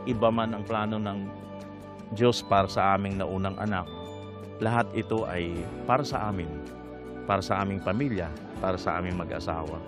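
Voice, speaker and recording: A man with a Filipino accent giving an earnest, reflective personal testimony of faith. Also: fairly low pitch. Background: guitar music.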